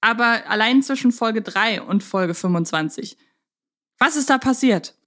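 Measured woman hosting a casual podcast. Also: on the high side, animated, a bit bright. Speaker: podcast co-host. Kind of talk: casual conversational podcast discussion.

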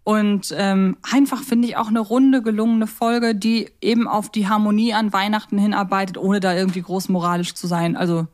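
A woman's voice: mid-range voice, steady tone, moderate pace, few pauses, a little mellow. Woman chatting as podcast co-host. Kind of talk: casual review chat about audio drama episodes.

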